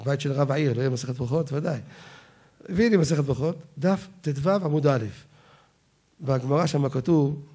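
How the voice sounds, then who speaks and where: A rabbi with an Israeli Sephardi accent delivers an animated Torah lesson in a mellow, dark-toned voice that sits a little high for a man. He cites his sources and drags out key words slowly so the pronunciation comes through. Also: breathy edge. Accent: Israeli Sephardi Hebrew. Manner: animated, quoting sources and slowing down to pronounce words carefully. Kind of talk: Torah lecture.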